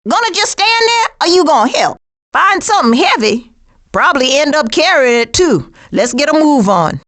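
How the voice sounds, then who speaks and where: A streetwise female skunk from a cartoon video game, with a high voice that swings widely in pitch. She has an American accent and a sassy, sarcastic manner. Her slangy wisecracks come out as punchy one-liners. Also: sing-song, normal speed, fairly bright tone. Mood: bossy. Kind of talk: video game character voice lines.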